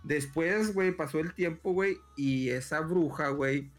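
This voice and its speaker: A man, a father, telling an anecdote in relaxed, slangy casual chat. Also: fairly high pitch, normal speed, faint music behind. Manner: relaxed, slangy, fills with "güey". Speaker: podcast co-host. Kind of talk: casual storytelling.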